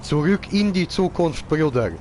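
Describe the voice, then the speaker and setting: A man's voice: on the high side, animated, unhurried, a little mellow, a little hiss or hum. A man giving casual live gaming commentary in clownish, slangy broken grammar, as a streamer. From Switzerland. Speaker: game streamer.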